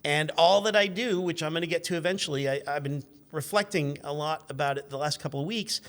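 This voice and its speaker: Slightly high-voiced man in his fifties, wry. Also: quick pace, a bit bright. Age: 50s. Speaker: interview guest, car journalist. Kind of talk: casual anecdotal chat.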